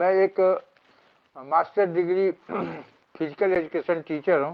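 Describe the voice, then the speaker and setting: Pitched high, this man speaks with fairly even intonation. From eastern Uttar Pradesh, Ghazipur. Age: 60s. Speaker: physical education teacher, program participant. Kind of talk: testimony. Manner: halting.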